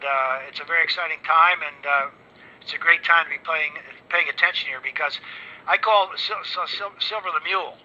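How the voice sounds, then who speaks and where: Bright, forceful man giving an excitable talk. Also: fairly high pitch. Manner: excitable, rambling, emphatic. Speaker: guest speaker at an investor gathering. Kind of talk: informal speech on precious metals markets. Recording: dull, band-limited audio.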